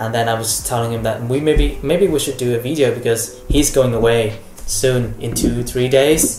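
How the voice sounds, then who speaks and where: A man speaks at a medium pitch over background music, with audible echo from the room. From Vietnam. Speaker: master's student and vlogger. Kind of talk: casual chat. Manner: halting.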